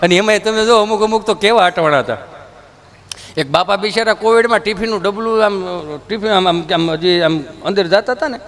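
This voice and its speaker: Male stand-up comic, Kathiawadi accent, high voice, folksy and chatty. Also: a little fast, a bit bright. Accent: Kathiawadi Gujarati. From Gujarat, India. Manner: folksy, chatty, acts out characters. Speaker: stand-up comedian. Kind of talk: stand-up storytelling.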